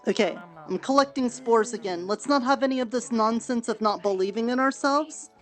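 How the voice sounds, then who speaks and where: A woman voicing a firm, encouraging adventurer in a voice roleplay, speaking briskly. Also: a little high, soft background music, natural voice. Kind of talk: voice roleplay in a social VR world.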